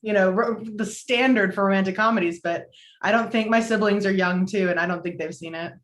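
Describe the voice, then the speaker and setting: A woman's voice: mid-range voice, fairly quick, echoey room. A woman chatting informally on a video call, in a loose conversational way with lots of "like". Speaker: table read participant. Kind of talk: casual chat.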